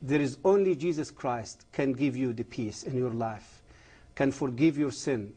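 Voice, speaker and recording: A middle-aged man speaks as a TV guest, fervent and earnest, in halting non-native English full of restarts. His voice is husky and mellow, pitched a little above the usual for a man. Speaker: guest, former imam. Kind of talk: earnest testimony on a TV program.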